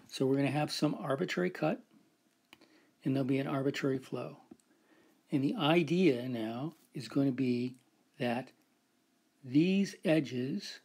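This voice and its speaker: Male lecturer, slightly husky, patient step-by-step explainer of a proof, recorded whiteboard lesson. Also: medium pitch, darkish tone. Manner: explains step by step, often adds "right?" and "so".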